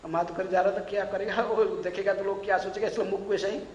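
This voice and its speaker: High-voiced monk preaching a story sermon, acts out the dialogue, echoey temple hall. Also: male voice, fast, slight background noise. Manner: animated storytelling with acted dialogue.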